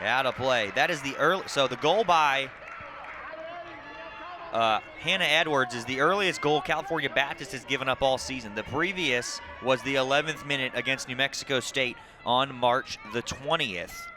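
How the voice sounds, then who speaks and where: A man's voice: mid-range voice, normal speed. A man doing live TV soccer play-by-play, mixing short clipped calls of the action with statistical recaps. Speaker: play-by-play sports commentator. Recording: clearly noisy outdoor broadcast with crowd ambience. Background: crowd and outdoor ambient noise.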